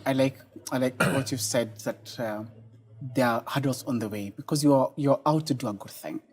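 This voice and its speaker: A man from Kenya, hosting a TV interview and asking questions with shifting loudness. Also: mid-range voice, moderate pace, husky. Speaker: TV show host.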